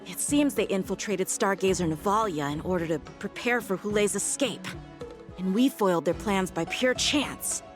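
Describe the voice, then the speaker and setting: A woman's voice: mid-range voice, moderate pace, over music, lightly acted. A woman voicing an earnest, proud and dutiful young boy lieutenant in a video game.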